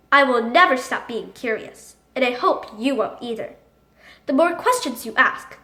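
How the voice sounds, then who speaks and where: High-pitched woman reading expressively in echoey room. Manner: expressive, emphatic storytelling. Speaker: children's book reader. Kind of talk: animated picture book read-aloud in character.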